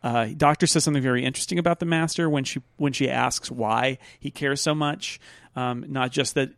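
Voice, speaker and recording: Gravelly-voiced man in casual podcast chat. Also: mid-range voice, steady tone, fairly bright tone, no echo. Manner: chatty, quick asides, frequent fillers and restarts. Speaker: podcast co-host. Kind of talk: casual chat reviewing a TV episode.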